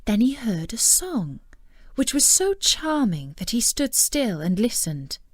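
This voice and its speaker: Female storyteller: unhurried fairy-tale narration, very animated intonation, dry close sound. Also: fairly high pitch, no echo.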